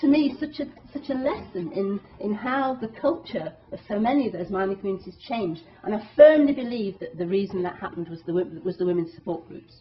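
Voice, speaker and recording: A woman activist speaks earnestly and emphatically to an audience at a public meeting, often restarting her phrases. Her pitch sits in the middle range. The recording is dull and lo-fi. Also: lively intonation, brisk, hardly any pauses. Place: meeting hall.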